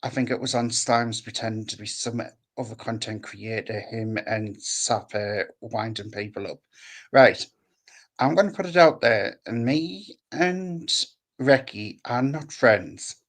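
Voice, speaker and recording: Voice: medium pitch, a little slow. A guest on a live stream telling a rambling story, hesitating with many ums. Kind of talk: casual live stream chat.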